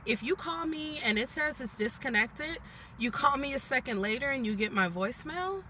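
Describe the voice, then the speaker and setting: A woman's voice: high voice, animated, normal speed, bright, forceful tone, slight background noise. A woman in her forties, chatting casually from inside her car, annoyed and venting with lots of "guys" to her viewers. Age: 40s. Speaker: vlogger. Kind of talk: casual vlog chat.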